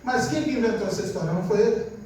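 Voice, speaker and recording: A man with a very high voice preaches a storytelling sermon, chatting with the congregation and checking that they agree. He acts out family members' voices as he tells stories. The recording comes from a distant mic in a very echoey church, with faint noise behind. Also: rapid-fire, a little mellow. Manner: conversational, often asks the congregation for agreement. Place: church service.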